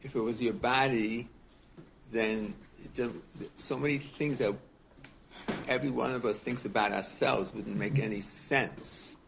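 A man in his seventies teaching a class as a rabbi, his voice carrying a gravelly edge. He talks in an earnest, unhurried way, circling back over his words and putting questions to the room. A faint hiss sits under the recording. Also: medium pitch, steady tone, a bit bright, rough recording. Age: 70s. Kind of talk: casual torah class.

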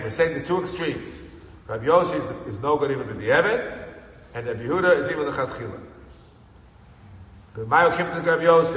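Chanting rabbi in an echoey hall. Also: male voice, medium pitch. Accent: American Yeshivish English with Hebrew and Aramaic terms. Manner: animated, reads text in a singsong chant. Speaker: rabbi teaching a Talmud class. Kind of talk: Talmud lecture. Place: synagogue study hall.

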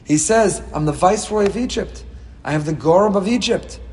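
A man giving a Torah class as a rabbi, reading Hebrew texts and explaining them with passion, swinging between soft and loud. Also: sits high, lively intonation, normal speed, in a large hall. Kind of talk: Torah class on the weekly portion.

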